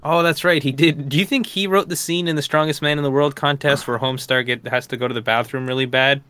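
A man co-hosting a casual podcast, chatty and quick to laugh, with plenty of fillers. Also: mid-range voice, fairly even intonation, fairly bright tone, clean tone, dry recording. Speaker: podcast co-host.

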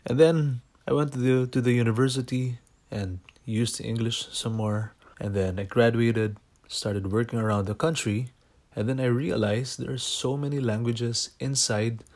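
A man from the Philippines, a guest on a podcast, telling personal stories in a reflective, unhurried way with small restarts. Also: mid-range voice, steady tone. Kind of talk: personal storytelling.

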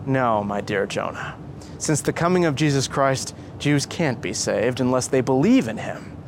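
A man's voice: medium pitch, lively intonation, normal speed, background noise, close to an everyday voice. A man voicing an earnest, pious young man in a story, reassuring and persuasive as he preaches.

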